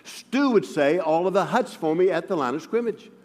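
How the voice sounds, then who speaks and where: A man preaching, stuttering and repeating his words as he goes. His voice sits a little high for a man, and his self-mocking humor keeps breaking through. The sound carries the long reverb of a large church hall. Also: lively intonation, normal speed, darkish tone. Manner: self-deprecating humor, chuckling as he talks. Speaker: guest preacher. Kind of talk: sermon with personal storytelling. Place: church sanctuary.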